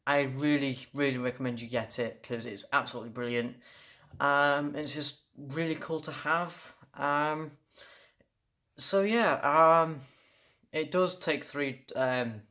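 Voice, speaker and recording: A man's voice: medium pitch, measured pace, pushed and bright. Young man, casual rambling enthusiast. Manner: rambling, enthusiastic, repeats himself. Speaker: toy reviewer. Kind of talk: casual unscripted review vlog.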